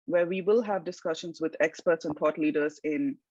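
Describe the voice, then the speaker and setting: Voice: mid-range voice, normal speed, darkish tone, no room sound. A host moderating an online panel, speaking politely and formally with some fillers. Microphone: video call. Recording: dry, dull video call audio.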